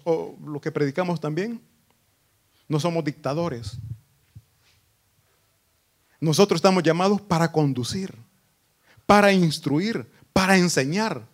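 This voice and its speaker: A man preaching a sermon as pastor, rising to emphatic phrases and dropping to low asides.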